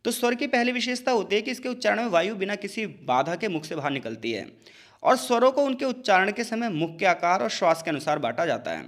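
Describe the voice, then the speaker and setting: A man with a high voice teaches an exam-prep lesson. He explains patiently, repeats sounds aloud as examples and mixes English terms into his talk. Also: lively intonation, a little fast, fairly bright tone. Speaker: tutor.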